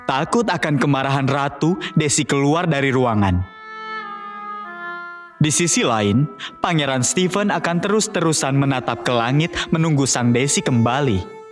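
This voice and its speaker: A man narrating a scripted fairy tale for children as a storyteller. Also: on the high side.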